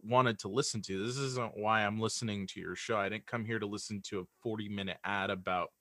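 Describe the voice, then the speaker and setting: Casting: young man as podcast guest, slightly deep voice, very dry recording, sincere and conversational, stumbling and repeating words while thinking. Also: fairly even intonation, fairly quick, bright, forceful tone, no echo. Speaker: guest, audio drama creator. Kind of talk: casual interview chat.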